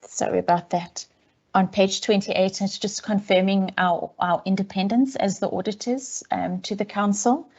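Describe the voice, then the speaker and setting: A woman auditor, heard over a video call line, gives a measured, businesslike briefing to a council committee, with frequent ums. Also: mid-range voice, fairly even intonation, a little mellow. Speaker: external auditor presenting a report. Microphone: remote call audio. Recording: dull, lo-fi call audio.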